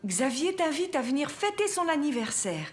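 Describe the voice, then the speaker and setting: A woman's voice: high-pitched, big pitch swings, moderate pace, soft background music. A woman voicing a patient but firm young mother in a children's cartoon. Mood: patient, reassuring. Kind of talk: children's cartoon dub acting.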